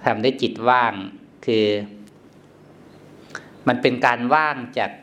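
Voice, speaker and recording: A man, a Thai monk, giving a gentle, unhurried dharma talk at a meditation retreat, with many pauses, soft fillers and a quiet chuckle now and then. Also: medium pitch.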